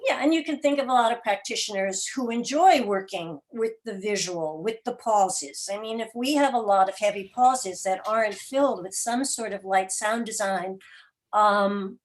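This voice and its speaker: A woman giving thoughtful, deliberate and articulate explanations as a producer being interviewed. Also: medium pitch. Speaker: guest, radio drama podcast producer.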